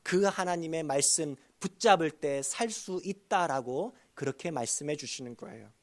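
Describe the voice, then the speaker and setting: A man preaching a sermon as pastor, earnest and building to loud emphasis, leading the congregation in reading aloud. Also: fairly high pitch, expressive, normal speed.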